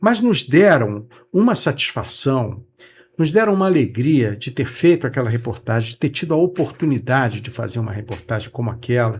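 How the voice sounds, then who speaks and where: A man speaks with a Rio de Janeiro accent and a lively intonation. His voice is somewhat breathy. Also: medium pitch for a man, moderate pace, very clean recording, silent background. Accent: carioca. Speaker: journalist and writer. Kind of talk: interview podcast.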